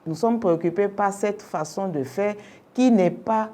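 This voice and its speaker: A young adult woman, a Yoruba native speaker, answering interview questions as an orientation specialist in a measured, explanatory way with rhetorical questions. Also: mid-range voice, warm tone. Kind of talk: formal radio interview answers.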